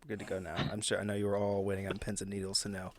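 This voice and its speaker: A man's voice: lowish voice, completely flat delivery, racing. A man chatting casually and jokingly as a player in a tabletop game. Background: background music.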